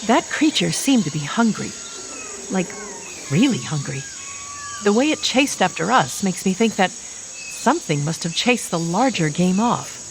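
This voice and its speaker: A woman playing a calm, reassuring telepathic superhero mentor in an audio drama, explaining things as she goes. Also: lowish voice, a little slow, background noise. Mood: composed, reassuring. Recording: clear outdoor jungle sound effects.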